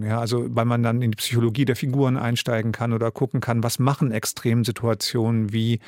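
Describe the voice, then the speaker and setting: A man's voice: mid-range voice, darkish tone, no echo, clean studio sound. A man in his fifties from Germany, an author answering interview questions thoughtfully, with many fillers and restarts. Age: 50s.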